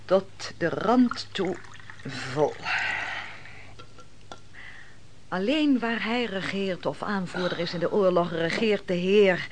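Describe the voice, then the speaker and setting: A woman playing a shrewd, mocking wine server in a radio play, speaking in a measured, didactic and theatrical way. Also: lowish voice, slight background noise, natural voice. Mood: mocking, cutting. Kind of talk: Dutch radio play acting.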